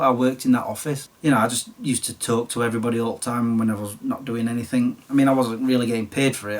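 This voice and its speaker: A man in his late forties with a Sheffield accent, chatting casually and self-deprecatingly about his past, his voice slightly croaky. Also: mid-range voice, distant mic. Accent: Sheffield English. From Sheffield, England. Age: late 40s. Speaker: YouTuber. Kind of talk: casual storytelling monologue.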